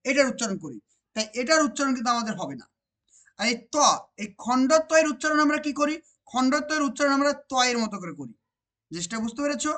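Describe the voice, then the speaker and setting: A woman teacher with a West Bengal accent leads an exam-prep grammar lesson. She drills each point more than once, slows down to stress key phrases, and keeps checking with rhetorical questions. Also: sits high, big pitch swings, a bit bright.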